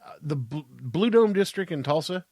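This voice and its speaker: A man's voice: on the high side, animated, normal speed, a little mellow, husky, no room sound. A man in his fifties with an American accent, bantering casually and crudely as a podcast co-host, with emphatic delivery. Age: 50s.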